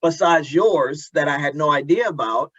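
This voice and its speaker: Male interviewer, fairly high-pitched, earnest and halting, recorded dry and a bit muffled. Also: fairly bright tone, husky, no echo. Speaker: podcast host, interviewer. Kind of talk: thoughtful conversational interview.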